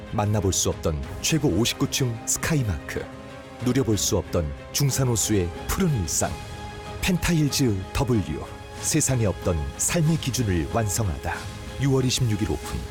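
Deep-voiced man doing a dramatic ad read. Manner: dramatic, punchy delivery. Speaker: ad announcer. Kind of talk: scripted commercial voice-over. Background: loud music bed.

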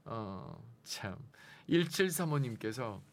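A man from the Jeolla region hosting a radio talk show in a studio, speaking softly and in a relaxed way. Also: medium pitch, takes it slowly. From South Jeolla or North Jeolla, South Korea. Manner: soft-spoken, relaxed, reads listener messages aloud. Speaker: radio host. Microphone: studio microphone.

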